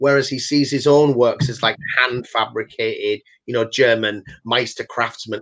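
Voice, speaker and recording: A man with a British accent at a moderate pace, his intonation fairly even, against a quiet background. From England. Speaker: wargaming YouTuber. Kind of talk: casual interview chat. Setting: video call. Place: home room. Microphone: video call.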